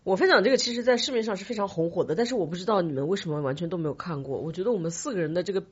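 A woman podcast co-host talks quickly in a husky, slightly low voice. She chats casually with friends, animated and teasing as she recommends things. The recording is a little dull. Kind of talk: casual chat.

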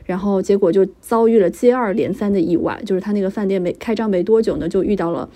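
Woman journalist co-host, fast, warm and mellow, earnest in casual chat. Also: medium pitch. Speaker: podcast co-host, news journalist.

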